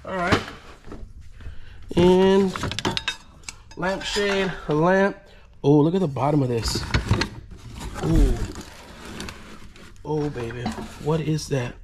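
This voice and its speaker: Man, excited, casual commentary, storage unit, faint background noise. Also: on the high side, slow, long pauses. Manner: excited, exclaiming over finds.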